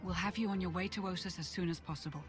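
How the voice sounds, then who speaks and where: An actress playing a calm, shrewd ally who plans a stealthy departure. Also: female voice, lowish voice, fast, over music, lightly acted. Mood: assured.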